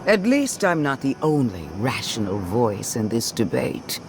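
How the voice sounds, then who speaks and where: An actor playing a solemn, embittered oath-bound zealot in a fantasy video game, grave and oratorical. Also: male voice, medium pitch, sing-song, measured pace, background noise. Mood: scornful.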